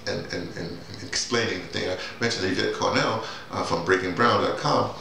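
A man in his sixties talking casually and haltingly to camera, repeating words and wandering off on asides. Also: low voice, creaky, bright, forceful tone. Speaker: playwright and audio drama teacher. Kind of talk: casual rambling monologue to camera. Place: small bare-walled room indoors. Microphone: camera mic a few feet away. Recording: very echoey room, distant mic, faint hiss.

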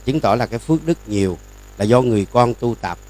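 A man's voice: medium pitch, lively intonation, fast talker, a little mellow. An older man with a Southern Vietnamese accent, a Buddhist monk giving a sermon in a folksy storytelling way, acting out the people in his stories.

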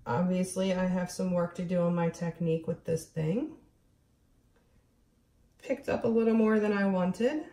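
A woman's voice: on the low side, a little slow, long pauses, warm tone. A woman with a Baltimore accent casually narrates a craft demonstration, thinking aloud in a hesitant, self-deprecating way. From Baltimore, United States. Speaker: host demonstrating acrylic pouring.

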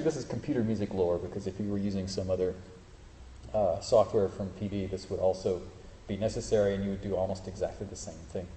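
In an informal university lecture with live demos, a man with a fairly low, mellow voice corrects himself as he goes and makes dry jokes. The lecture hall gives the recording a roomy echo and a faint hiss.

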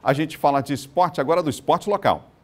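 A man presenting a regional morning TV news bulletin with a brisk announcer delivery and a Brazilian accent from Maranhão. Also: a little high, a bit bright. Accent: Brazilian Portuguese, Maranhão. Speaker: news anchor.

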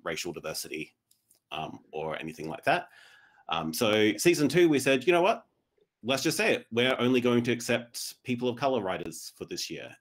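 Low-voiced man on a panel. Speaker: panelist, podcast writer. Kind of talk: explanatory panel talk. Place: indoor room at home, video call.

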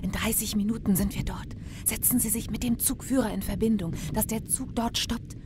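An actress playing a level-headed, dryly sarcastic police detective in a crime audio drama. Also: female voice, medium pitch, fairly even intonation, moderate pace, over music, close to an everyday voice. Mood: urgent, commanding. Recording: train noise behind voice.

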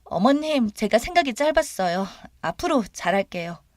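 Brash young daughter-in-law, as a woman puts her on, whiny, entitled, sharp, close dry sound. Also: a little high, very animated, moderate pace, no room sound, voice pushed up. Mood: pleading.

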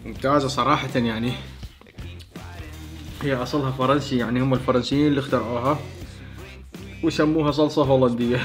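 A man's voice: mid-range voice, steady tone, quick pace, long pauses, faint music behind. A man in his thirties with an Iraqi Arabic accent, hosting a food challenge and chatting between mouthfuls. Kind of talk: casual eating vlog. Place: small indoor home studio.

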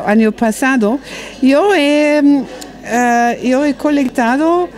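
A woman in her sixties with a German accent talks slowly in an interview, her voice pitched a bit high. She halts often, hunting for words and restarting phrases. She speaks into a handheld mic in a restaurant dining room. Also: darkish tone. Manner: halting, searching for words, frequent restarts. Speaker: author. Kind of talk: interview at a book presentation.

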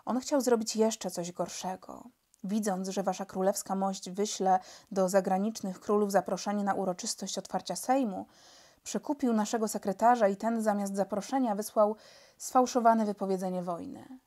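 Woman doing a gentle elegant spy chief. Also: medium pitch, steady tone, normal speed, lightly acted. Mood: explaining. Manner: mild, courteous, gentle-spoken. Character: elegant polite male spy chief, calm. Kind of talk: storybook reading.

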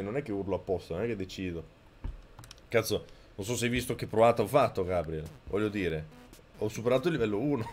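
A man streaming a video game live, talking close to his microphone, yelling and swearing at the game and thanking viewers. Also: lowish voice. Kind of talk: live gameplay commentary. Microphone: microphone very close to the mouth.

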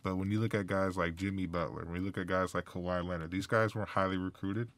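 Man, very deep voice, laid-back, pro athlete talking in a radio booth. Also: fairly even intonation, normal speed, a bit bright, no echo. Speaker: professional basketball player. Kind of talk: casual chat in English.

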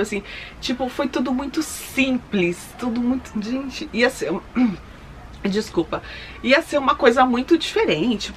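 A woman's voice: mid-range voice, a bit bright, slight background noise. A woman in her thirties telling a personal story to her viewers in a chatty, emotional way. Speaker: lifestyle vlogger.

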